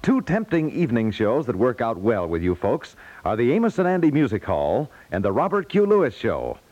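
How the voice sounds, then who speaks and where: A man's voice: medium pitch, huge pitch swings, normal speed, a little mellow, no room sound. American male radio announcer, swinging delivery. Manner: folksy, polished salesmanship. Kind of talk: 1950s network radio promo. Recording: dull, dry 1950s radio recording.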